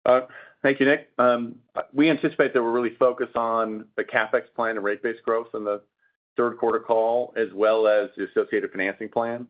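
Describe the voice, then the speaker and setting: A man speaking as a company executive on an earnings call, explaining answers in a measured, businesslike way. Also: mid-range voice, fairly even intonation. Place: conference call. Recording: narrow phone-line conference call audio.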